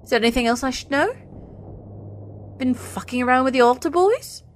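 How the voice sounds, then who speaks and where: An actress playing a sharp-tongued, sardonic woman lover in an audio drama, expressive and prone to swearing. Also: high voice, brisk. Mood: outraged, sardonic. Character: sharp-tongued, foul-mouthed woman lover, wry then furious.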